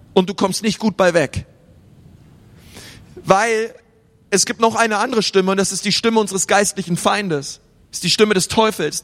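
Man preaching, casual and chatty, fairly high voice, echoing hall. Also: fairly bright tone. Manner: casual, conversational, acts out inner voices. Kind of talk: sermon. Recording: reverberant hall.

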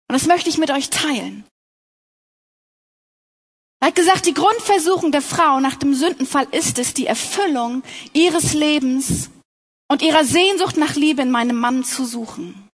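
High-voiced woman giving a sermon. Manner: earnest, personal, addresses women directly. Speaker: speaker at a Christian talk.

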